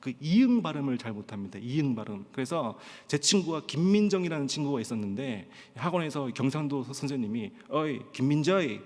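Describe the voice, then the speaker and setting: Pastor preaching in a reverberant church. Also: male voice, mid-range voice, sing-song, a little fast, hardly any pauses. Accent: standard Korean, trained out of Gyeongsang dialect. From Pohang, South Korea. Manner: storytelling with frequent "예" fillers and acted-out quotes. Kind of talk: sermon at a Friday prayer meeting. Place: church sanctuary. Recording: long church-hall reverb.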